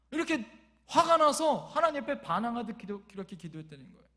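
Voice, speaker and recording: A man's voice: extremely high pitch, fast talker. A male pastor preaching a Sunday sermon, telling a story and calling out to the congregation. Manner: animated, calls out to the congregation. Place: church sanctuary.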